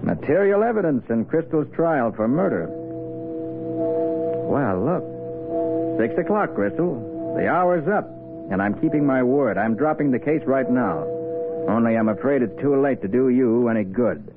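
An American actor playing a confident, commanding private detective in a brisk, authoritative 1940s radio drama style. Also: male voice, mid-range voice, animated. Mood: triumphant. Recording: tinny old radio broadcast with loud music.

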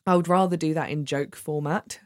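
A woman's voice: low-pitched, fairly even intonation, a little fast, no room sound, studio quality. A woman speaking as a cabaret performer being interviewed, chatting casually and candidly with plenty of swearing and self-deprecating humour.

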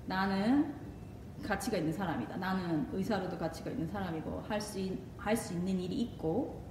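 A middle-aged woman doctor from the Gyeongsang region with a Gyeongsang accent, giving casual parenting advice with lots of laughter. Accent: Gyeongsang Korean. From Gyeongsang region of Korea. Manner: lively, laughs often, switches into English phrases. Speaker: doctor and parenting channel host. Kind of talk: casual advice talk to viewers. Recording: echoey room, mic at a distance, faint rumble.

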